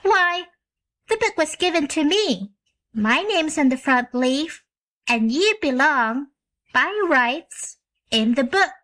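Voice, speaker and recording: A woman voicing a bold, bossy little girl in a storybook reading, with a high, insistent voice. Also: lively intonation, slow pace, a bit bright, exaggerated voice.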